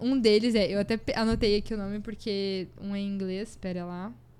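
Fairly high-pitched yet dark and mellow in tone, a woman speaks at a fairly slow pace with fairly even intonation. The recording is very clean, with a silent background. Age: 20s. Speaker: psychologist. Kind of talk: casual chat.

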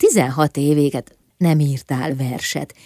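A woman speaks with a very deep, low voice and a dark, mellow tone. The sound is dry and close, with no echo. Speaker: radio host. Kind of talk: interview.

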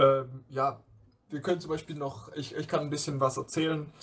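A man talks fairly slowly in a somewhat breathy voice, his intonation fairly even. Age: young. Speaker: bodybuilding podcast co-host. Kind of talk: casual chat.

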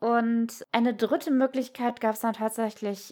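Using an ordinary speaking voice, a woman talks at a fairly slow pace with a fairly high pitch and fairly even intonation. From Cologne, western Germany. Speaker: podcast host and YouTuber. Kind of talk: solo podcast monologue.

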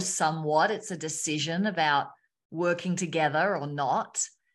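An Australian accent at a moderate pace over a quiet background. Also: woman. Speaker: author and feminine energy teacher. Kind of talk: interview.

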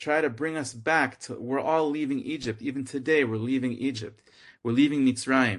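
Against a quiet background, a man with an American accent speaks in a plain, everyday voice at medium pitch with fairly even intonation. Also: moderate pace. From US Northeast (Boston). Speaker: rabbi, online Torah teacher. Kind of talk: lecture. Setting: video call.

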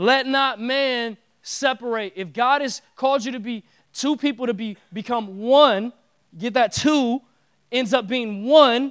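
A man speaks fairly slowly at an extremely high pitch, animated in tone. The recording is very clean with a silent background. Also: ordinary pitch variation, dry, close sound with no echo. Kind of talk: sermon. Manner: animated, call-and-response, conversational preacher; playful, punchy, colloquial.

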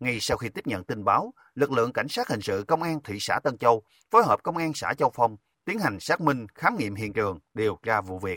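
A man's medium-pitched voice with a bright, sharp tone, very wide pitch swings, a moderate pace, and a dry, close sound with no echo. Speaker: radio reporter. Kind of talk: news reading.

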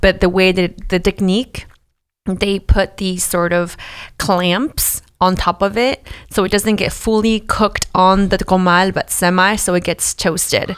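In a Spanish accent, a woman speaks at a fairly slow pace and medium pitch with fairly even intonation, on a very clean recording with a silent background. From Mexico, Oaxaca. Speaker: restaurant owner. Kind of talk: casual chat.

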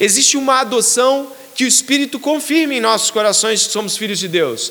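A man with an extremely high pitch uses a raised, projected voice. He goes at a moderate pace over noticeable background noise. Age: 40s. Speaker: pastor. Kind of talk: sermon.

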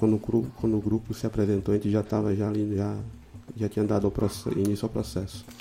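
This voice has vocal fry and a dark, mellow tone, with fairly even intonation. It moves at a very fast pace, and the loudness stays very even. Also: man, fairly low pitch for a man. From Bahia, Brazil. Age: 40s. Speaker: goalkeeper coach. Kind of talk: casual interview. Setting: studio.

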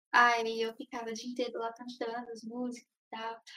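Her pitch is high for a woman, and she talks at a moderate pace. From Brazil. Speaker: singer and voice teacher. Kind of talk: casual chat.

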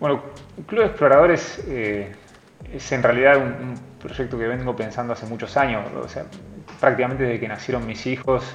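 A man speaks at a moderate pace with long, frequent pauses. There is noticeable background noise and audible room echo. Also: medium pitch for a man, ordinary pitch variation. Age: 30s. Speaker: coworking founder and education project creator. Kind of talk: casual interview. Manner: halting, many repeated words.

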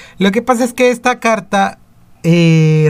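A man speaks at a fairly slow pace with a northern Mexican accent. His pitch swings very widely. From Mexico, Monterrey. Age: 20s. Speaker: gaming podcaster. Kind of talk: gameplay commentary. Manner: halting.

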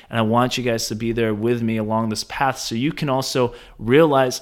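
A man with a normal speaking voice, medium in pitch, at a fairly quick pace. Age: 20s. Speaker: podcast host and mobile car detailer. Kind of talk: casual solo podcast monologue. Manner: casual, filler-heavy.

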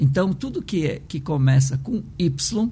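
Very slow speech from a man, fairly high-pitched for a man, dark and mellow in tone, with ordinary pitch variation. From Lebanon, then Brazil from age seven. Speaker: Islamic religious leader. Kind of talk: interview conversation. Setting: studio. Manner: hesitant, many fillers.

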